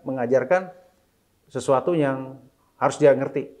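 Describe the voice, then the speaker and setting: A middle-aged man speaking as an interview guest, a single father, talking casually and mixing in English phrases, animated when he quotes his children. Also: mid-range voice, normal speed.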